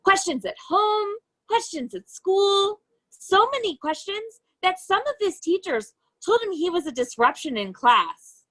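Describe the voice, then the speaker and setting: A woman reading a children's storybook aloud as an educator, with expressive, deliberate phrasing and emphasis on key words. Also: very high voice, poor audio.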